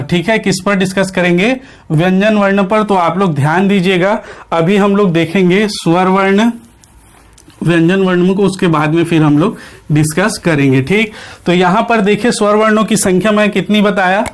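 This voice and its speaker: A man teaching Hindi grammar in an online exam-prep class. He poses questions to the class, answers them himself, and keeps repeating key points with short checks. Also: sits high.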